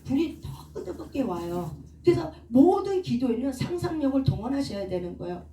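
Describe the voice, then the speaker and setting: A woman's voice: sits high, big pitch swings, normal speed, dark tone, a little hiss or hum. A woman leading a prayer meeting, preaching and asking the congregation questions. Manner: asks the congregation questions, leads call-and-response. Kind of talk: sermon. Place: church prayer room. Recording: echoey room, far from the mic.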